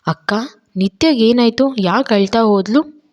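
A woman's voice: a little high, unhurried, muffled recording, pitched above the performer's own voice, lightly acted. A woman voicing a hot-tempered but caring young man in an audio story. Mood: worried. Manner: sharp when angry, softening into concern.

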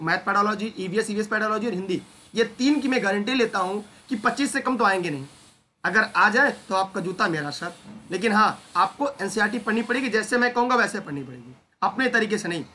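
A young man teaching an online exam-prep class who talks lively and keeps putting questions to his students. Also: sits high, slight background noise.

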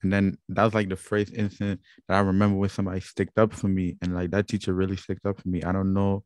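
A man's voice: low-pitched, completely flat delivery, fast, darkish tone, dry recording. A young man from Guyana with a Guyanese accent, earnestly recounting his own experiences as host of a vlog, with many fillers and restarts. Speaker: channel host. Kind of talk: personal testimony vlog.

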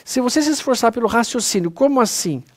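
A man's voice: very high-pitched, expressive, fast talker, dry recording, studio quality. A man with a Brazilian accent giving an earnest, conversational spiritist lecture online, often calling his audience "pessoal". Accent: Brazilian Portuguese.

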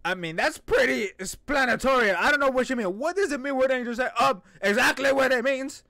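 A man's voice: very high voice, fairly quick, sharp tone, dry recording, clean studio sound. A young man hosting a reaction video with casual, playful, joking and exclamatory commentary. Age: young adult. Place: small indoor room.

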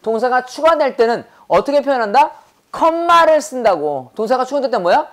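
A woman with a Korean accent teaches an English grammar lesson. She fires short questions at her students one after another. She slows right down to drill English phrases for them to repeat. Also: sits high, big pitch swings. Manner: quizzing students with rapid rhetorical questions. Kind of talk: classroom grammar lecture.

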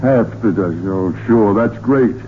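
A man's voice: lowish voice, slow. An actor playing an exasperated, grumbling middle-aged father in a blustery, sputtering 1940s radio sitcom style. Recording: tinny, noisy 1940s radio recording.

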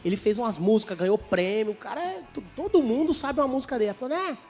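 A man's voice: extremely high pitch, fast talker, a little mellow, faint music behind. A Brazilian man in his thirties with an Espírito Santo accent, telling stand-up stories and acting out both sides of the dialogues. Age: 30s. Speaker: stand-up comedian. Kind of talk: stand-up storytelling.

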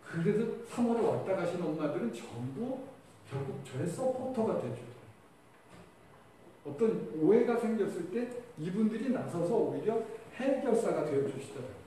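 High-voiced male teacher in echoey hall. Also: very animated, moderate pace, dark tone. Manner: conversational, quizzes the audience. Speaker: teacher giving a training lecture. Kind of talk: lecture to fellow teachers. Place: lecture room with a live audience. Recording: echoey hall, distant mic, faint noise.

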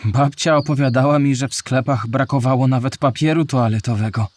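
A man acts out an inquisitive young male character in a children's audio play. He sounds naive and curious, speaking at a medium pitch in scripted dialogue. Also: fairly quick, darkish tone, lightly acted. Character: curious young male listener asking about history.

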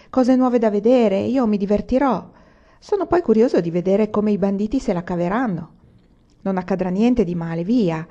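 A woman's voice: mid-range voice, mellow, close to an everyday voice. A woman reading the part of a carefree young husband, lighthearted and coaxing. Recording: dull lo-fi recording.

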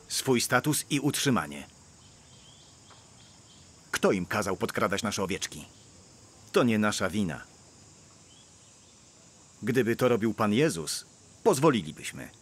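Sly church elder, smooth talker, voice goes up and down a lot. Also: male voice, on the low side, exaggerated voice. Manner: persuasive, reassuring, lively intonation. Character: scheming middle-aged male church elder. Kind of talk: Polish dubbing of a film. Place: outdoors in a park, then indoors at a church meeting.

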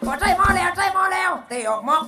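A man's voice: extremely high pitch, lively intonation, a loud crowd. A man doing a rowdy, crude village clown with a Southern Thai accent. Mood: boisterous. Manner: shouting, laughing, rapid-fire guessing. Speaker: shadow-puppet performer. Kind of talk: live shadow-puppet comedy. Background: live folk music band.

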